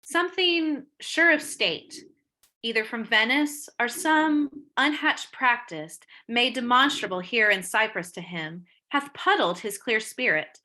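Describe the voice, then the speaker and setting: A gentle, loyal young wife in a Shakespeare play, read by a woman, troubled but earnest. Her voice is very bright and fairly high, carrying the verse with expression. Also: lively intonation, a little slow. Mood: troubled, self-reproaching.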